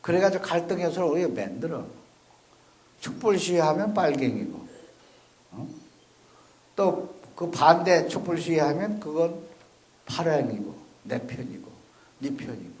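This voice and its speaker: A male Buddhist monk from Chungcheong gives a conversational dharma talk. He speaks in a folksy, plain-spoken way and keeps checking in with the listeners with a quick "eh?". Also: on the high side, sing-song, a little mellow. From Chungcheong, South Korea. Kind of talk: conversational sermon. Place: temple or university dharma hall.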